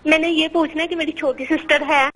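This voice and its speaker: A woman's voice: sits high, steady tone, fairly bright tone, rough recording. A woman calling a religious show who asks her question in a hesitant, rambling way full of fillers. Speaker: caller. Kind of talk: phone-in question.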